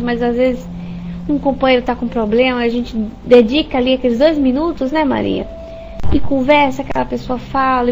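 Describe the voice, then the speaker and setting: Woman, study leader, higher-pitched voice, conversational and chatty, computer mic, faint noise. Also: poor audio. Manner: warm conversational, frequent rhetorical "né?" checks. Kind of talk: informal religious study talk. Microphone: computer mic over online voice chat.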